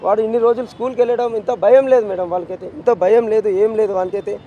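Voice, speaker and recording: A middle-aged man with a Telangana Telugu accent speaks fast in a high, steady voice, captured on lo-fi audio with a little hiss or hum. He is a bereaved father in a street news interview on a city street, anguished and insistent as he repeats his demands.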